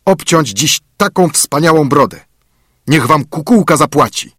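A man doing a shrill, scolding little dwarf. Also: expressive, measured pace, a bit bright, no room sound, clean studio sound. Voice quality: thin, shrill voice. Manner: scolding, snapping, whining. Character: grumpy ungrateful little bearded male dwarf.

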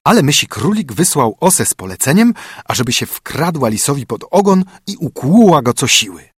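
Man reading a fairy tale, husky voice, lively pitch, dry close sound, children's radio. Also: moderate pace, no room sound. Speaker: storyteller.

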